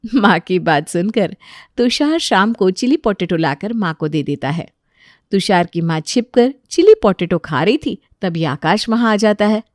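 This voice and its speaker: A woman narrating a bedtime story in a calm, even storytelling way. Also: medium pitch, a little slow, no echo, studio quality.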